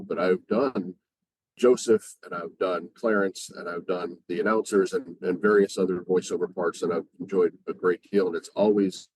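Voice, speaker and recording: A man's voice: deep voice, darkish tone, slightly rough, no room sound, poor audio. A middle-aged man who voices parts in community radio plays, talking conversationally in a podcast interview. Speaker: community radio play actor.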